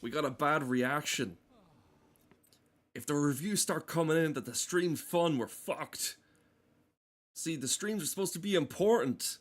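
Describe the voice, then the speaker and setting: A game streamer rambles casually through his livestream commentary, swearing often and ranting in a mock-earnest way. His voice is a little high and a little slow, and he pauses often.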